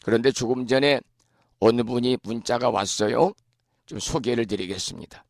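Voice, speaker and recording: A man, a Buddhist monk, giving a morning talk on scripture in a hoarse voice from a lingering cold, speaking slowly and clearing his throat often. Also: mid-range voice, no room sound, studio quality. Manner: slow, measured teaching delivery. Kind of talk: dharma talk explaining scripture.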